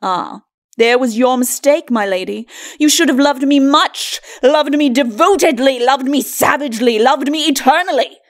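A woman's voice: sits high, moderate pace. A woman voicing a bickering undead skeleton lord in a storybook, haughty and mocking in archaic aristocratic speech. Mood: mocking, sardonic. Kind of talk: storybook character acting.

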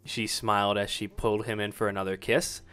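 A man's voice: on the low side, level tone, fairly quick, a bit bright, clear, resonant tone, soft background music. A man narrating a romantic fan fiction story in a scripted, dramatic reading style.

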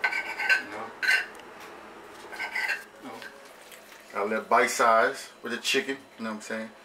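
A young man talking casually as he cooks in a small home kitchen, relaxed and repeating "you know what I'm saying.". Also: lowish voice, measured pace, background noise. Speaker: vlogger cooking at home. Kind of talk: casual cooking vlog talk. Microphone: camera across the kitchen.

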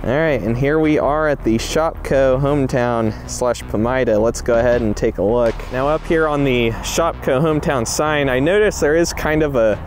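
A man's voice: mid-range voice, normal speed, few pauses, slight background noise. Young man touring an empty store outdoors. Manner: relaxed, offhand commentary with hedging asides. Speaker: urban explorer host. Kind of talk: casual walkthrough narration.

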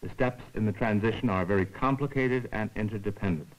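A man with a fairly low voice narrates an educational science film. His delivery is scripted, formal and measured, explaining each point in the orderly way of a lecturer. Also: rough recording.

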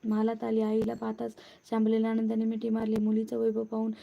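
A woman reading a devotional vow story aloud in a steady, recited manner. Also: a little high, fairly quick, creaky, a little hiss or hum. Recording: muffled lo-fi recording.

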